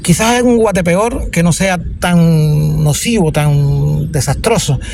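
A Cuban man in his fifties with a voice pitched a little high for a man. He talks earnestly as an interview guest, leaning hard on repeated phrases and rushing through long runs. A faint hum of room noise sits behind him. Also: vocal fry, a little mellow. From Cuba. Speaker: guest, improvising poet.

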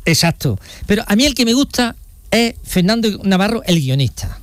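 A man's voice: high-pitched, sing-song, normal speed, no room sound. A man giving a live regional report, joking and rambling with fillers. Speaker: regional correspondent.

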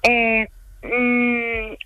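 A woman's voice: on the high side, completely flat delivery, drawn-out words, clear, resonant tone, no room sound, narrow, tinny audio. A middle-aged woman who grew up in France and speaks French natively, a tour guide and company manager talking chattily in a radio interview and tagging her phrases with little checks. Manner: chatty, tags phrases with "¿vale?".

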